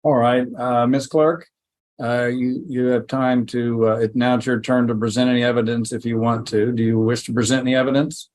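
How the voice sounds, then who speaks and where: A male judge with a mid-pitched voice presides over a hearing in a courtroom recording. He moves through procedure with short prompts and plain questions. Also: level tone, moderate pace, darkish tone.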